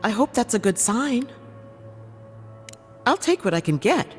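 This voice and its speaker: A woman's voice: fairly high pitch, sing-song, measured pace, soft background music. A woman playing a weary but hospitable market trader in a fantasy video game, plainspoken and conversational. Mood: wary, resigned. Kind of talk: video game character acting.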